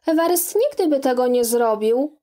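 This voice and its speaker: A woman's voice: sits high, expressive, moderate pace, warm tone. A woman reading the part of an anxious young lady of the manor, speaking earnestly and pleading. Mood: distraught.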